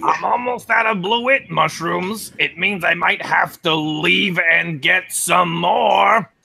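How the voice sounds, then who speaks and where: In a put-on character voice, a man speaks at a high pitch with hardly any pauses. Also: fairly slow pace. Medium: actual play. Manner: loud, salesy.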